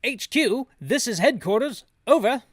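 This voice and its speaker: A man's voice: very high voice, lively intonation, unhurried, no echo, clean studio sound, voice pushed up, heavily acted. A man voicing a formal headquarters radio operator in a video game, with a British accent. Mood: brisk, official.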